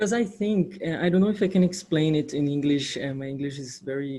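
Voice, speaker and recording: A man with a Portuguese accent speaks at a fairly high pitch with ordinary pitch variation. His voice is somewhat breathy with a dark, mellow tone. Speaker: study group member. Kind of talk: study group discussion. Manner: halting.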